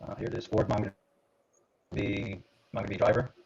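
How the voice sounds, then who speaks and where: A man giving a live coding demo as a guest, talking in a halting way with many fillers while his call audio breaks up. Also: on the low side, level tone, gravelly, darkish tone. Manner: halting, full of fillers and restarts. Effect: choppy, breaking-up call audio. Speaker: guest demonstrating software. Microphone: computer headset on a video call. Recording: dull lo-fi online call audio.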